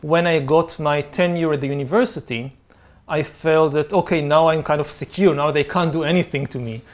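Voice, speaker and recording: A middle-aged man talks calmly, weighing each thought. His voice sits a bit high. He sounds unhurried and reflective. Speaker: interviewee, author. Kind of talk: relaxed conversation.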